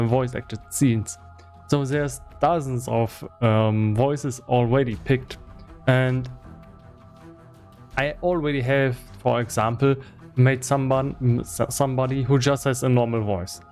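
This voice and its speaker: A man talking casually and explaining on a livestream, thinking aloud in a halting way, with as his language. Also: medium pitch, darkish tone. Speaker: game developer streaming live. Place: indoor room with foam acoustic padding.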